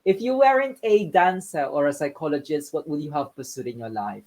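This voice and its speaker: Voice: mid-range voice, lively intonation, a little fast, a little mellow, slight background noise. Friendly interview host asking questions. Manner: friendly, asks questions, laughs along. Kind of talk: interview hosting.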